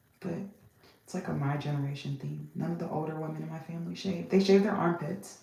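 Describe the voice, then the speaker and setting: There is audible room echo and noticeable background noise as a woman talks at a fairly quick pace. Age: 30s. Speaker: livestreamer. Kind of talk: casual chat. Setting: livestream.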